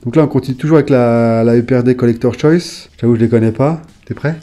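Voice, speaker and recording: A casual YouTuber with a dark, mid-range voice shows off his old trading cards, talking quickly and straight to his viewers. His off-the-cuff chat bursts into sudden excited exclamations, but he hesitates and uses lots of fillers when reading out names.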